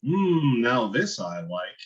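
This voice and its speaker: On muffled, dull audio, a man acts a placating middle-aged suburban father in a screenplay read, with swooping, animated intonation at a medium pitch. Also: slow pace. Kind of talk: virtual table read of a screenplay.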